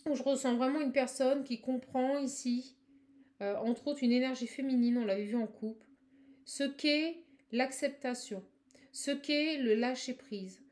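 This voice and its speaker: Woman doing a spiritual card reading, kinda high voice, talks fast n gushy, faint hiss behind. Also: darkish tone. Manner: effusive, fast, exclamatory, addresses viewer directly. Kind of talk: live tarot-style channeling reading.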